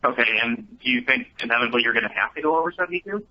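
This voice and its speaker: Analyst guy phoning in, quick questions, muffled line. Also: mid-range voice, slight background noise. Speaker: financial analyst caller. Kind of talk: earnings call follow-up question.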